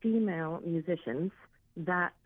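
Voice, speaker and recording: A woman's voice: fairly low pitch, unhurried, slightly rough, dry recording. A woman in her late thirties, a singer, chatting casually as an interview guest with plenty of ums and laughs. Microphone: phone line. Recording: tinny phone line.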